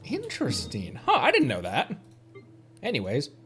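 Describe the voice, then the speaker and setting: A man's voice: mid-range voice, wildly swooping pitch, moderate pace, a bit bright, faint music behind. A man casually commenting as he livestreams a video game, musing aloud to himself.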